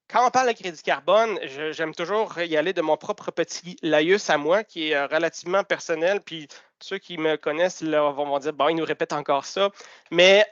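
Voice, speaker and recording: A man's voice: on the high side, fairly bright tone, dry recording. A man with a Québécois French accent gives an explanatory webinar presentation over a video call, talking through his points with frequent fillers and restarts. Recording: dull, dry video-call audio.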